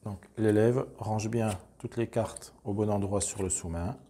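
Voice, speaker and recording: A man calmly explaining, step by step, how a classroom reading and spelling activity works. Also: on the low side, unhurried. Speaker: teacher explaining a reading method. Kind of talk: instructional demonstration.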